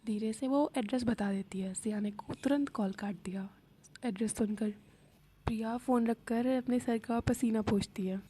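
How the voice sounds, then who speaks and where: A woman narrates a story in a plain, conversational way. Her voice is husky and dark, with a mellow tone. She sits a little above the usual pitch. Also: moderate pace.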